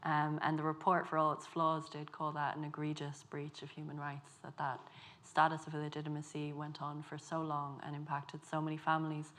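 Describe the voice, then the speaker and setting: Low flat-voiced Dublin woman. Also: fairly quick. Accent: Dublin Irish. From Ireland. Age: 30s. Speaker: author on a festival panel. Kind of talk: panel discussion.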